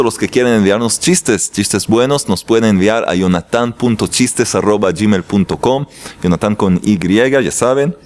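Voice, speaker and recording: A man teaching a religious lesson, mixing jokes into an animated talk and lifting his voice when acting out prayers. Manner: animated, swoops in pitch when quoting prayers. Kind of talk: lively faith lesson with jokes.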